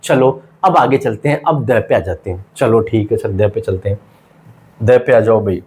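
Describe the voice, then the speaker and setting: A man's voice: fairly low pitch, moderate pace, a little mellow. A man teaching a grammar lesson, asking rhetorical questions, voicing his students' questions himself and answering them. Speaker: English teacher. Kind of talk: classroom lesson.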